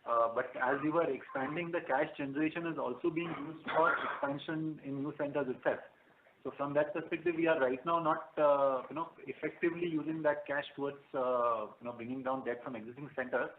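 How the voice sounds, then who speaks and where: A man with an Indian accent giving formal, halting answers as a finance executive on a conference call. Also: fairly high pitch, fairly even intonation. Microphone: telephone conference line. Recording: narrowband phone line with background noise.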